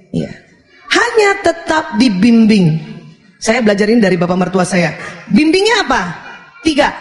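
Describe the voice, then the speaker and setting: A woman with an Indonesian accent giving a lively sermon on parenting, acting out parent-child exchanges with humor. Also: medium pitch. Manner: animated, acts out parent-child dialogues with humor. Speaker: Islamic parenting preacher. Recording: echoey hall with long reverb.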